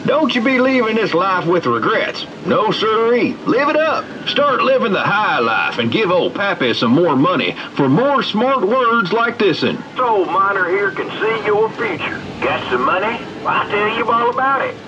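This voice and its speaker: A man's voice: sits high, sing-song, normal speed, few pauses. A man playing a folksy, money-hungry old Western prospector as a fortune-telling machine, drawling out cheeky scripted patter. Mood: folksy, salesy. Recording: lo-fi machine speaker amid clear outdoor park noise.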